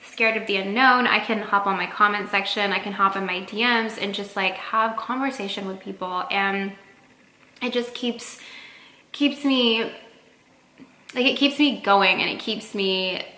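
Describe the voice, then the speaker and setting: Woman vlogger, 30s, casual and chatty, fillers everywhere, bright voice in a roomy space. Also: medium pitch, measured pace. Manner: chatty, many fillers, eats while talking. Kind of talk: casual talk to camera. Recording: echoey room with faint noise.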